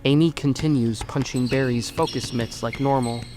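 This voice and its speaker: A man narrates a scripted audio drama in a mid-range voice. He tells the story in the third person as an audiobook narrator, with music playing clearly behind him. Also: mid-range voice, fairly even intonation, normal speed. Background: music under the voice.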